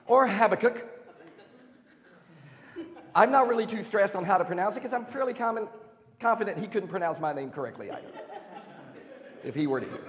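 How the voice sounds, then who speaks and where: A man preaching a sermon as pastor, conversational and self-deprecating, in a church sanctuary. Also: high-pitched. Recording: long reverb in a church hall.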